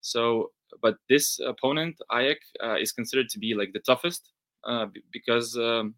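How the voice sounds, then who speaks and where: Bright-voiced man, hesitant interview guest. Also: medium pitch, fairly even intonation, dry recording. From Belarus. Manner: hesitant, halting, measured, hedging answers. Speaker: football reporter and interview guest. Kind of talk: interview answers.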